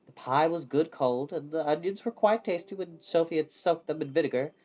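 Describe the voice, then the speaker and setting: A storyteller reading a children's book aloud in an expressive, animated way, acting out the dialogue. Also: medium pitch, brisk, highs cut off.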